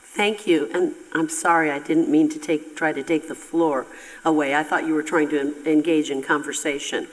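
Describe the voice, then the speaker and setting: A woman's voice: deep voice, fairly even intonation, normal speed. A woman mayor chairing a council meeting in a polite, procedural way while losing her voice. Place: town council chamber. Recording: long reverb of a meeting hall.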